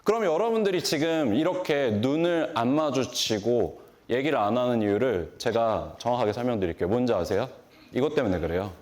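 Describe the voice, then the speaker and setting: A man's voice: medium pitch, a little fast. A man in his forties giving a keynote talk at a large conference, asking the audience questions and acting out greetings. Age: 40s. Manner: animated, asks the audience questions and acts out greetings. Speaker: beauty industry lecturer.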